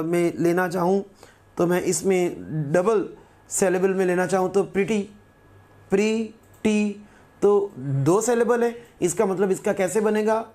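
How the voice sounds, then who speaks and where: A male teacher giving a recorded grammar lesson, patiently repeating words slowly as examples. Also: high voice, darkish tone.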